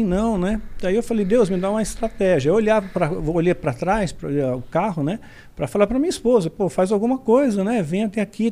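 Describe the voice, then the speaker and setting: A man with a Brazilian accent telling a story in casual chat, acting out voices as he goes. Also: high-pitched. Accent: Brazilian Portuguese. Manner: animated, acts out quotes. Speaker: podcast guest.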